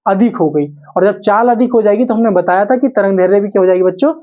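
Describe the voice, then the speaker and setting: A man's voice: high voice, quick pace. A man teaching a physics class, repeating key phrases and asking questions that he answers himself. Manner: repetitive, asks questions and answers them himself. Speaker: physics teacher for exam coaching. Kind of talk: classroom lesson to camera. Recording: dull lo-fi audio.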